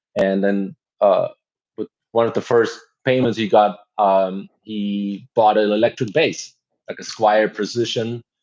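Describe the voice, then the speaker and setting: Speaking fairly slowly with a German accent, a man keeps a fairly low pitch and fairly even intonation. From Germany. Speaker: metal bassist. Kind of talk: casual interview chat.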